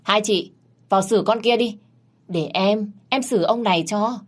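A woman's voice: mid-range voice, unhurried, pitched above the performer's own voice, natural voice. A woman voicing a cheeky, sweet-voiced effeminate young man. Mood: eager. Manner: sweet, playful.

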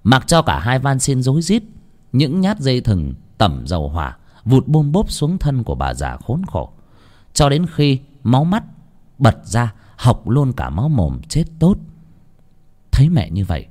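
A male storyteller narrating a dark folk tale in a grave, emphatic manner. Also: medium pitch, huge pitch swings, unhurried.

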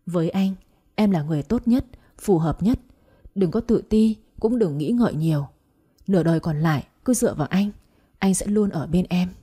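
A woman voicing a gentle young man who talks to his lover with devotion and reassurance. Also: on the low side, expressive, moderate pace, husky. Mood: tender.

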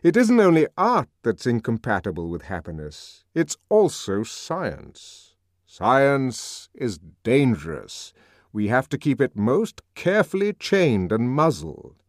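A man voicing a powerful older controller who lectures in a measured, sardonic way. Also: medium pitch, wildly swooping pitch, dry recording, studio quality, voice pushed up, full character voice.

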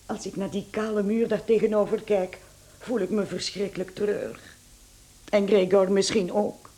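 A woman's voice: mid-range voice, steady tone, moderate pace, dark tone, natural voice. Tender, anguished mother played by a woman. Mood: worried. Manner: pleading, tender, emotional. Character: anguished, tender, doting mother of a grown son. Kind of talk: radio play acting.

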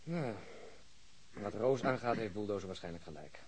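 An actor playing a sceptical police detective with dry, sardonic remarks in a radio play. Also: male voice, on the low side, animated, normal speed, a little mellow, slight background noise, lightly acted, rough recording. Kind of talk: Dutch radio drama acting.

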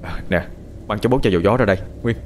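A man voicing a worried middle-aged husband and father who gives gruff, urgent instructions in a horror audiobook. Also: on the low side, fast talker, darkish tone, slight background noise, lightly acted.

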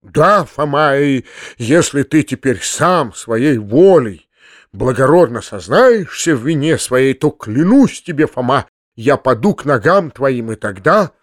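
A man's voice: mid-range voice, expressive, a little slow, dry recording, studio quality, close to an everyday voice. A man voicing an earnest, well-meaning uncle who stumbles over his words, in an audiobook. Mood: earnest, flustered.

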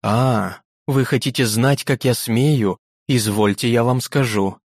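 A man's voice: medium pitch, takes it slowly, no room sound, clean studio sound. A man voicing a proud, defiant young woman on trial, speaking with indignant passion in a storybook reading. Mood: impassioned.

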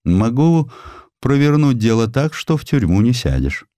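A man's voice: mid-range voice, big pitch swings, a little slow, warm tone, no room sound, studio quality, pitched above the performer's own voice. A man voicing a shrewd, blunt lawyer of Tsarist Russia in a declamatory, oratorical manner, as in an audio drama. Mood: brusque, haggling.

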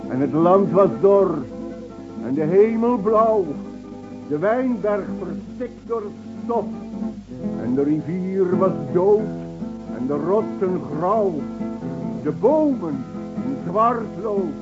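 A defiant village balladeer chants in an old radio play. His voice is high and unhurried over clear plucked guitar. The recording is a little muffled. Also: animated. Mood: mournful chant. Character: defiant village singer chanting of dry, dead land. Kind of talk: balladeer reciting in radio drama. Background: plucked guitar music.

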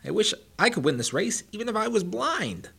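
A man voicing a boastful, fast male hare who mocks his neighbor. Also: high voice, big pitch swings, gravelly, fairly bright tone, slightly rough, voice pushed up, full character voice. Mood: mocking. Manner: mocking, brash.

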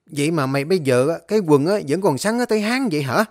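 A man voicing a hot-tempered older male landowner who scolds and shouts at a servant in a spoken story. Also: a little high, expressive, quick pace, close to an everyday voice. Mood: furious.

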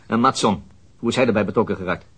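An actor playing a calm, persistent male detective questioning a suspect in a radio drama, dry and insistent. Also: on the low side, quick pace, slightly rough. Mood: steady. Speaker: interrogating detective.

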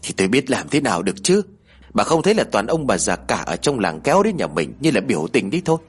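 A man's voice: mid-range voice, sing-song, slightly rough. A man playing a brusque, defensive old grandfather. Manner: quick, exasperated retorts.

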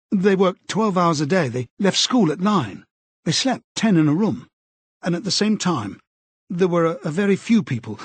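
A careful, earnest middle-aged man, voiced by a male narrator. He talks in a measured, tentative way with a slightly husky tone. The sound is close and dry, with no room. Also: on the high side, no room sound, pitched above the performer's own voice. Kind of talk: audiobook character voice.

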